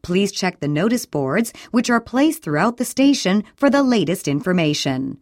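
A woman reading a scripted train station announcement in a measured, formal way with careful enunciation. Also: medium pitch, sing-song, darkish tone, no echo, clean studio sound. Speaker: recorded station announcer for listening practice.

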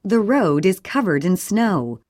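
A woman reading short English sentences slowly and clearly for a listening and repetition drill. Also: mid-range voice, no room sound, studio quality. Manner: clear, even, deliberate reading. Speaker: English audio reader.

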